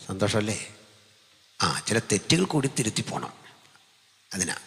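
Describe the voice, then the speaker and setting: A male pastor preaching a live sermon to a seated congregation through a microphone, jumping from loud proclamations to quiet, joking asides. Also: fairly low pitch, sing-song, a little slow, vocal fry. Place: large hall with a seated audience. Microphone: amplified stage microphone. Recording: long hall reverb from a live PA.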